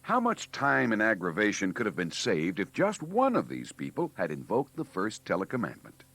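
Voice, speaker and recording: A man's voice: lowish voice, huge pitch swings, normal speed, creaky, fairly bright tone, husky. A man reading scripted narration for a 1980s training filmstrip, with a preachy, wry delivery.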